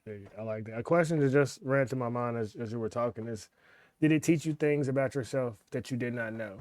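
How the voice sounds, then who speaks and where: A man's voice: mid-range voice, a little fast, darkish tone, no room sound. A man hosting an interview, asking long casual questions with slangy, encouraging reactions. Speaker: podcast host.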